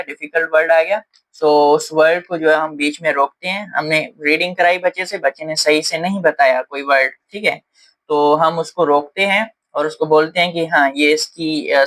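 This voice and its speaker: Male teacher, slightly high-pitched, patient and explanatory lecture delivery. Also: a bit bright, poor audio. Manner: patient, explanatory, frequent fillers. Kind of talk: explaining lesson in Hindi-English mix.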